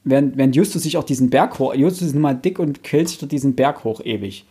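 A man co-hosts a casual book podcast. His voice is mellow and a little rough, with a husky grain. He explains his points and piles up examples as he talks. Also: medium pitch, fast. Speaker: podcast co-host.

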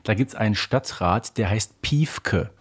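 A man's voice: lowish voice, expressive, takes it slowly, husky. A man co-hosting a podcast, explaining things casually in a knowledgeable, matter-of-fact way. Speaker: podcast co-host.

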